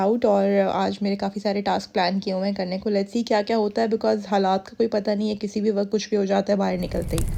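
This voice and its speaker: Her voice sits at a medium pitch with a dark, mellow tone. The woman speaks with hardly any pauses. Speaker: vlogger. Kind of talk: casual vlog talk. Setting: in a car. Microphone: voice may be quiet.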